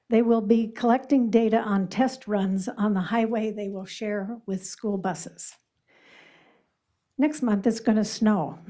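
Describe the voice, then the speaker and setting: A woman's voice: medium pitch, mellow. A woman giving emphatic, prepared public testimony at a school board meeting. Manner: earnest, emphatic, reading prepared remarks.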